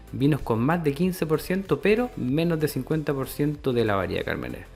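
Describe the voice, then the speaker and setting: A man's voice: medium pitch, a little mellow. A man reading a scripted promotional announcement as an announcer. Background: music.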